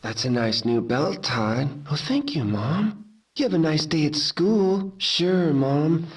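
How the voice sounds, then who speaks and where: A woman's voice: low voice, expressive, slow. A woman voicing a stilted exchange between a mother and a teenage son in a video game. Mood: stilted, subdued. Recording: noisy, distant recording with clicks.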